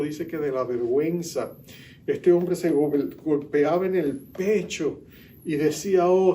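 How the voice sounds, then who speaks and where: A man's voice: fairly high pitch, warm tone, slight background noise. A male pastor preaching an earnest sermon in church, acting out the figures he quotes.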